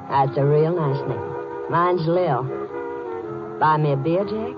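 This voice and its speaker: An actress playing a flirtatious, coaxing gangster's accomplice with a hard edge in a 1950s radio crime drama. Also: female voice, low voice, slow pace. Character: flirtatious red-haired female gangster's accomplice luring a man, hard-edged underneath. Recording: muffled old radio broadcast, music behind.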